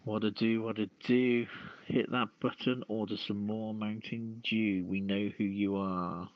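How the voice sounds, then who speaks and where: A man hosting a casual talk show and reading out news in a halting way, on a dull lo-fi voice chat. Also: fairly low pitch, flat delivery, no room sound. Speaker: host.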